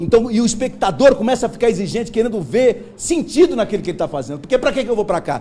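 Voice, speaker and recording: A man's high-pitched voice with lively intonation, over noticeable background noise. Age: 60s. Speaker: theater artist. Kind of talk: public debate remarks. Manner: halting, many repetitions.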